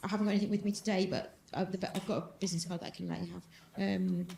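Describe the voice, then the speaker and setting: A woman on a panel giving advice in a loud, earnest voice, with apologetic asides. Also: on the low side, steady tone, very fast, gravelly, reverberant, recorded from a distance, a little hiss or hum. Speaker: panel speaker. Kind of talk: casual Q&A advice. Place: meeting room with an audience.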